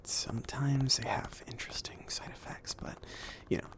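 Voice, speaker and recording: A man playing a chill, friendly mage in an ASMR roleplay, speaking softly between whisper and murmur in a casual, hesitant, rambling way. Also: mid-range voice, level tone, normal speed, natural voice. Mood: relaxed, explanatory. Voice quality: soft, breathy whispering mixed with murmured speech. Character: chill, friendly male mage kindly outfitting his apprentice.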